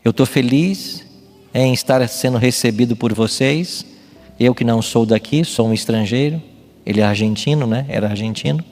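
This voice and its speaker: Speaking at a moderate pace in a mid-range, slightly mellow voice, a Brazilian pastor gives a didactic, emphatic sermon and often asks rhetorical questions. The recording has a long hall reverb, with music behind him.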